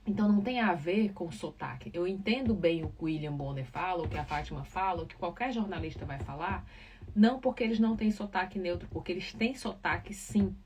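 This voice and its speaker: Woman, Cearense accent, low voice, crisp trained diction, slightly distant mic. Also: fairly quick, a little mellow, dull audio, a little hiss or hum. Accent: Cearense Brazilian Portuguese. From Ceará, Brazil. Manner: carefully articulated, trained diction, explaining patiently. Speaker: journalist, podcast guest speaker. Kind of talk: explanatory podcast talk.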